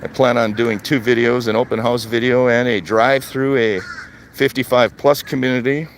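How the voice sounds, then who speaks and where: An older man from Wisconsin vlogs on a live stream as he walks outdoors through a retirement community, chatting casually. His mid-range voice keeps a fairly even intonation at a normal speed, and he speaks plainly and conversationally, repeating his points. A little hiss or hum sits under the recording.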